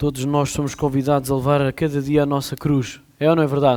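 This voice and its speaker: A man with a European Portuguese accent speaks at a fairly quick pace. His voice is fairly high in pitch, with a dark, mellow tone. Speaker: preacher. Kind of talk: sermon. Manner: softer delivery.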